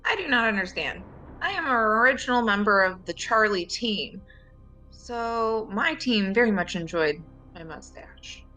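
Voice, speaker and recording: A woman's voice: mid-range voice, animated, a little slow, bright, forceful tone, soft background music, rough recording. A woman playing an earnest, literal-minded marine with stiff, formal phrasing in a tabletop game.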